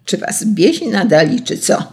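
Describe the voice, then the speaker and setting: A storyteller voicing an indignant old peasant farmer who shouts in outrage, raised high and loud above the narration. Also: expressive, moderate pace, creaky. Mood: indignant shouting.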